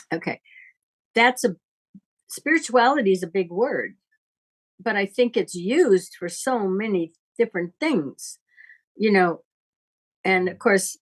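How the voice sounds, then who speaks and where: A woman's voice: mid-range voice, rough recording. An older woman talking off the cuff like a teacher in conversation, blunt and probing. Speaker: astrologer giving teachings.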